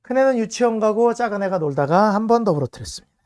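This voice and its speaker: A man's voice: sits high, lively intonation, quick pace, darkish tone, no echo, studio quality. Man preaching with a personal story. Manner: storytelling, addresses the congregation directly. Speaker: pastor.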